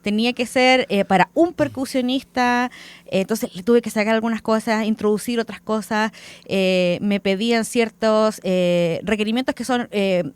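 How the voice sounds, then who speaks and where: A woman's voice: on the high side, normal speed, clear, resonant tone, dry recording. Hesitant Chilean woman composer, dry sound. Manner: hesitant, many fillers. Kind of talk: radio interview answers.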